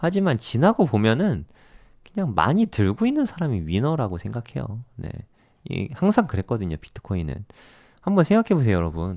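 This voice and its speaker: The recording is very clean with a silent background. A man speaks at a moderate pace with very wide pitch swings. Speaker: crypto investment educator and YouTuber. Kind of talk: livestream commentary. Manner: casual, with frequent laughs.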